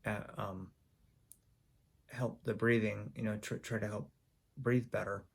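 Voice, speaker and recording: Male storyteller, low and flat delivery with a gravelly edge, halting, full of pauses and restarts. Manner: halting, with frequent ums and restarts. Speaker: YouTuber. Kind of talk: personal storytelling to camera.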